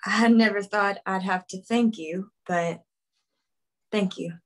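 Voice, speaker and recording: A tough young woman faces down armed men with blunt, dry defiance, as a woman reads the part at a table read. Her voice sits at a middle pitch. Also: slow, lightly acted. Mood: defiant.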